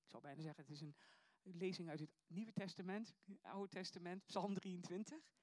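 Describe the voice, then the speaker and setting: A woman's voice: on the low side, steady tone, moderate pace, darkish tone, dry recording. A woman reading scripture aloud and then giving an earnest, reflective sermon that poses searching questions to her listeners. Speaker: preacher.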